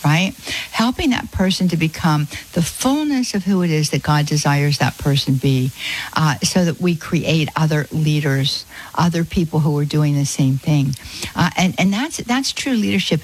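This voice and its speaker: A woman's voice: low voice, animated, normal speed, slightly rough, low-quality recording. A middle-aged woman hosting a live Catholic call-in radio show, speaking effusively with many fillers and restarts.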